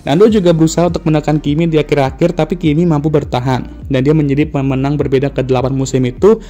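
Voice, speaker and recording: A man's voice: on the high side, flat delivery, quick pace, dark tone. A man recapping a motor race in a casual, joking, slang-filled way, like a YouTuber talking to his viewers. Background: faint background music.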